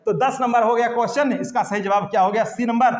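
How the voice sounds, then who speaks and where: High-voiced man teaching in an echoey room. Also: steady tone, quick pace. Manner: repetitive, drilling questions, says "guys" often. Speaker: biology teacher. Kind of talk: exam-prep lecture. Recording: echoey room with long reverb.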